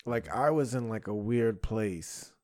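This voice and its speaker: A man's voice: lowish voice, lively intonation, unhurried, a little mellow. A man in his thirties chatting casually as a podcast host, rambling in profane, slangy talk. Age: 30s. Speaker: podcast host and stand-up comedian. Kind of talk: casual chat.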